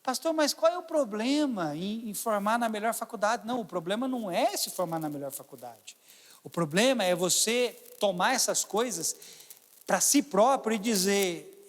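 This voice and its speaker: Animated Brazilian pastor with a high voice. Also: male voice, normal speed, long reverb tail. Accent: Brazilian Portuguese. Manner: animated, swings between loud exclamations and quiet asides. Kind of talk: sermon.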